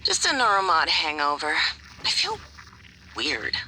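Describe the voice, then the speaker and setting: A groggy, eager musician. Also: female voice, sits low, wildly swooping pitch, a little slow, sharp tone, a little hiss or hum, full character voice, poor audio. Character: groggy young woman, excited musician. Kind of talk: video game dialogue.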